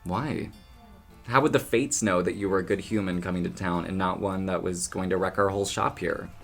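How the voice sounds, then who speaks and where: A low voice, a friendly, loyal man in an audio drama. He chats casually and with animation, over faint music. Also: steady tone, brisk, creaky, a bit bright, full character voice. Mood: earnest.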